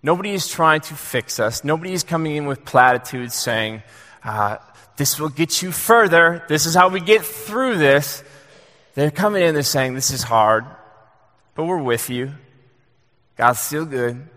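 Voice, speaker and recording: A young adult man preaching a sermon in a church, earnest and halting, with many fillers and restarts. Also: on the high side, expressive, fairly bright tone. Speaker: pastor. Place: church sanctuary. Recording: long hall reverb.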